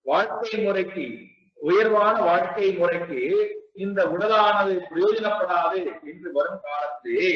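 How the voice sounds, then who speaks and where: A man giving a spiritual discourse, speaking slowly and deliberately and repeating his rhetorical questions. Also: high-pitched. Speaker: spiritual teacher. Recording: echoey, distant, dull lo-fi sound.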